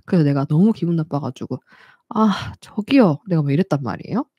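A woman's voice: deep voice, very fast, husky, dry recording, muffled recording. A young woman hosting a casual live stream, telling stories with frequent laughs and acting out the people she met. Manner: lively, laughs often, acts out quoted people. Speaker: YouTube host.

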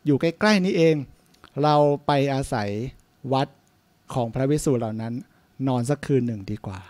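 A male monk voicing a weary man locked out of a city, musing aloud slowly and softly about where to spend the night. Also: medium pitch, lively intonation, natural voice.

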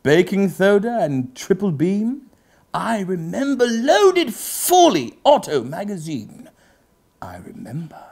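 Man playing a pompous, wildly swooping gentleman orator. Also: high-pitched, wildly swooping pitch, creaky, heavily acted. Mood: theatrical, emphatic. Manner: pompous, theatrical, drawn-out pauses. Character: pompous aristocratic gentleman host, reciting rap lyrics theatrically. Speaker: comedy show host. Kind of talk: mock-literary dramatic reading. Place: book-lined indoor study set, seated.

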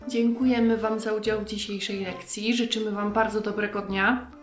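A woman's voice: medium pitch, flat delivery, normal speed, soft background music. A woman hosting a scripted lesson for children, addressing young listeners directly. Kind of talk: scripted quiz and sign-off for children. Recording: roomy echo.

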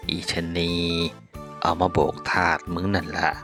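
A man's voice: deep voice, little pitch movement, measured pace. A man doing a brash vain trans woman. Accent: Isan. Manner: bossy, crude, loud-mouthed. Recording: echoey with loud music.

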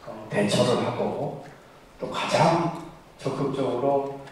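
A man giving a formal policy speech at a forum, measured, with frequent pauses. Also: medium pitch, far from the mic. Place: large conference hall. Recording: echoey hall mic from afar, faint noise.

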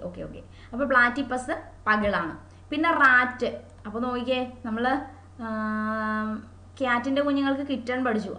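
Lady teaching exam prep online, kinda high voice, repeats words slow, echoey room. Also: sharp tone. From Kerala. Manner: chatty, asks questions and answers them herself; repeats key words slowly for memory.

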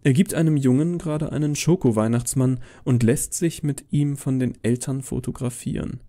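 A man's voice: medium pitch, steady tone, normal speed, mellow. A man reading a first-person horror story as a dramatic, scripted narration.

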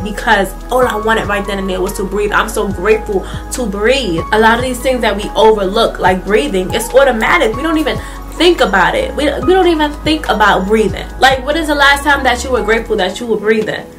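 Recorded from a distance over music, a young woman with a blocked nose talks briskly at a fairly high pitch. She's a vlogger in a small indoor room giving an animated, chatty pep talk to camera, waving her hands and filling it with "like" and other fillers.

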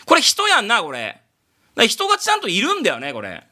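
Excitable foreign man reacting to anime. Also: very high voice, quick pace. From outside Japan. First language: not Japanese. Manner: excitable, bursts into loud exclamations. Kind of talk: casual reaction commentary.

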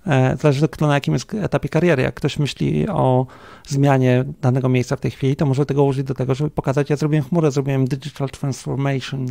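Mężczyzna, dyrektor techniczny firmy, jako gość rozmowy mówi swobodnie, z wieloma wtrąceniami i pytaniami „tak?”, szczerze i z przekąsem. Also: male voice, medium pitch, flat delivery, fast talker, creaky, hardly any pauses, warm tone, no echo, clean studio sound. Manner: thinks aloud with many fillers and tag questions. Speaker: guest, company CTO. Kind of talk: casual interview conversation.

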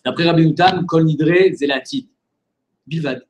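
A man teaching a daily Talmud class in French, explaining quickly and weaving in Hebrew and Aramaic terms. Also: fairly high pitch, darkish tone.

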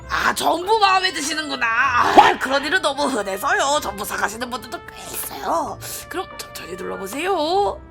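A woman's voice: high-pitched, big pitch swings, normal speed, creaky, few pauses, over music, full character voice. Woman putting on a gushing boutique clerk, customer service voice. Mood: smug, gushing. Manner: polite customer service voice, sales patter. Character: gushing, boastful female boutique clerk for VIP clients. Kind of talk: acted reading of game dialogue.

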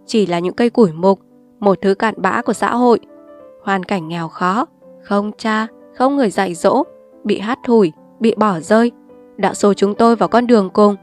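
A woman's voice: medium pitch, lightly acted. A woman voicing a defiant, streetwise young woman who speaks bluntly and scornfully. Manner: blunt, scornful and sharp-tongued.

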